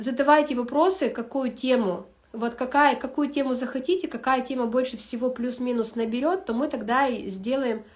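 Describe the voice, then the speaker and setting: Chatty woman host. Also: on the high side. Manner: chatty, rambling, with many fillers and restarts. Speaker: online wellness school host. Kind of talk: casual livestream talk to followers.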